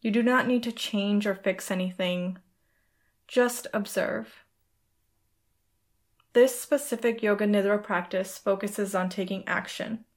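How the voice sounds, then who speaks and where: A woman guides listeners as a meditation host. Her delivery is soothing and measured, with instructions laid out in an orderly, deliberate way. It has the style of a spoken relaxation practice. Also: medium pitch, fairly even intonation. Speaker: podcast host and yoga nidra guide.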